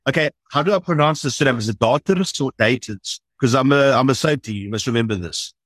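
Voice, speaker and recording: A man's voice: medium pitch, brisk, a bit bright, no echo. Chatty, self-deprecating man. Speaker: rugby analyst. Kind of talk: podcast discussion.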